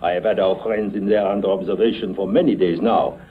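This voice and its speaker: An actor playing a polite, knowing police inspector, in formal 1950s radio drama style. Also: male voice, deep voice, steady tone, a little fast, lightly acted. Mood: courteous. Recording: dull old 1950s radio broadcast.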